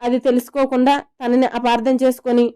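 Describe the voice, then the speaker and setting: A woman's voice: sits high, completely flat delivery, brisk, mellow, clear, resonant tone, close to an everyday voice. A woman voicing a remorseful, eager young husband in a romantic audio story, speaking earnestly.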